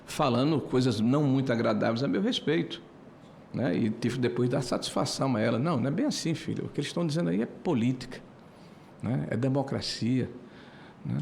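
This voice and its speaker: A man in his sixties giving a committee floor speech, hesitant with many filler pauses, building to emphatic indignation. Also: medium pitch, gravelly, a little mellow, slight background noise. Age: 60s. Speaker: senator. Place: senate committee room.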